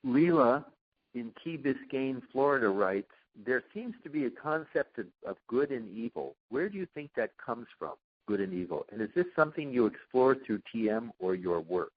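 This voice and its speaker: A man's voice: medium pitch, expressive, normal speed, breathy edge, no room sound. A man putting questions informally as an interviewer, rephrasing tentatively as he goes. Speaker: interviewer reading submitted questions. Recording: dry, muffled conference call line.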